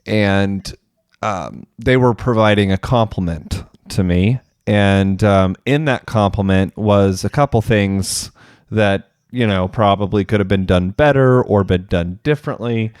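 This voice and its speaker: A man's voice: on the low side, a little slow, a little mellow, clean tone, dry recording, clean studio sound. A man co-hosting a podcast as a mental health professional, speaking candidly and self-deprecatingly, thinking aloud with fillers. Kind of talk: casual podcast conversation.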